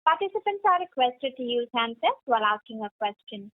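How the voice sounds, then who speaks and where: A woman's voice: fairly high pitch, sing-song, brisk. Woman call-centre operator on tinny phone line. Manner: polite, formal call-centre delivery. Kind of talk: scripted call announcement.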